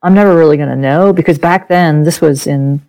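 Woman, first language German, middle-aged, animated storyteller, laughs often, gravelly voice. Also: low-pitched, a little fast. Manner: animated, laughs often, acts out quoted speech. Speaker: podcast guest, author. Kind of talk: personal storytelling in an interview.

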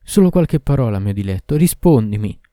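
A man's voice: on the low side, a little fast, warm tone, no room sound, studio quality, lightly acted. A man voicing a passionate, cruel sorceress queen in a storybook reading, lamenting and pleading.

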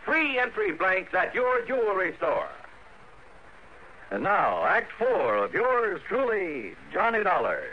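A man's voice: high voice, wildly swooping pitch, takes it slowly, exaggerated voice. A man announcing a programme and its sponsor message in 1950s radio style. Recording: noisy, dull vintage radio broadcast.

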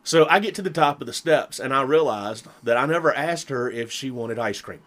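A man's voice: mid-range voice, animated, brisk, fairly bright tone. A man, telling funny stories on a podcast and laughing often. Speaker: podcast co-host. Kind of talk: casual storytelling chat.

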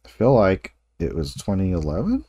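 A man's voice: deep voice, huge pitch swings, normal speed, dark tone, breathy edge, dry recording, studio quality. A man in his late forties hosting a casual interview, talking in a rambling, self-correcting way with frequent laughs. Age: 40s. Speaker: podcast host.

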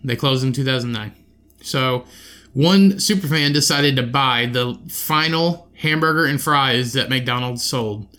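A man's voice: medium pitch, measured pace, sharp tone. A man hosting a solo podcast, rambling and swearing in an offhand way, his nose a little congested. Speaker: podcast host.

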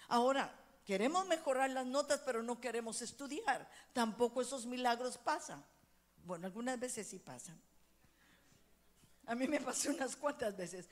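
High-voiced woman preaching a fervent sermon. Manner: rising to loud fervent exhortation, then quiet storytelling. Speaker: pastor.

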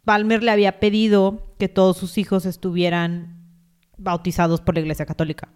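A woman co-hosting a podcast in casual chat, reacting with quick gasps and playful comments. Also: mid-range voice, level tone, darkish tone, smooth. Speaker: podcast co-host.

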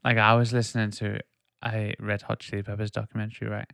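Guy podcast host, kinda creaky low voice, no room echo, rambles along casually about music. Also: flat delivery, fast talker, fairly bright tone, studio quality. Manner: informal, rambling, often checks for agreement. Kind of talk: casual music discussion chat.

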